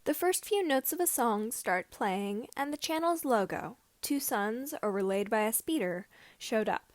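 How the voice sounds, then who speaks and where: A woman with a fairly high voice reads a story aloud as narration. Her phrasing halts a little here and there. The sound is dry, with hardly any room to it. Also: animated, no echo. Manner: somewhat halting phrasing. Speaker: podfic reader. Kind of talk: fan fiction audiobook narration.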